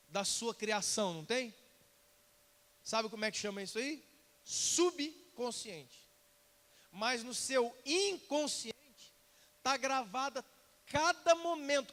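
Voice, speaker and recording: A man preaching a sermon, lively and conversational, acting out little dialogues and asking the congregation questions. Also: extremely high pitch, in a large hall. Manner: animated, acts out quoted dialogue, asks congregation questions. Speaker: pastor. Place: church sanctuary.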